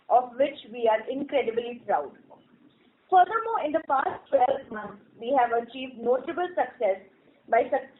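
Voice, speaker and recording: A woman with an Indian accent formally reading a scripted corporate presentation as a company executive, in a measured way, over a conference call. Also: sits high. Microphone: telephone conference call. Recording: tinny narrowband conference phone line.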